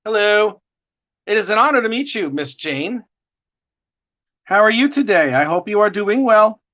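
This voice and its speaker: A man with a New York accent and a gravelly voice talks casually as he works on a drawing. His voice sits slightly high with a bright, forceful edge, and he rambles and chuckles through the chat. The stream audio is dull and lo-fi. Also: expressive, moderate pace. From United States. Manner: chatty, rambling, chuckling often. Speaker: artist livestreaming a drawing session.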